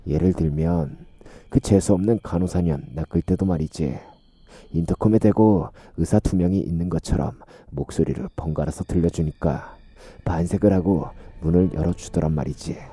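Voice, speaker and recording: A man's voice: low-pitched, warm tone, breathy edge, no room sound. A man voicing a coarse, swaggering middle-aged detective with a sinister edge in a horror radio story. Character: crude, menacing middle-aged male detective.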